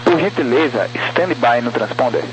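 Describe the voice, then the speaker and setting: A man's voice: medium pitch, animated, moderate pace. A Brazilian man giving clipped, procedural instructions as an air traffic controller over radio. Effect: aviation radio.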